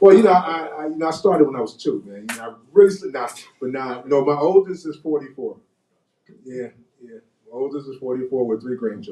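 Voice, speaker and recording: A man with an American accent talks at a fairly quick pace in an unremarkable speaking voice. His fairly high pitch carries lively intonation, and his loudness swings widely. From North Carolina. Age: 60s. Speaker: author and speaker. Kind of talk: interview at a book event. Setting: bookstore event with audience.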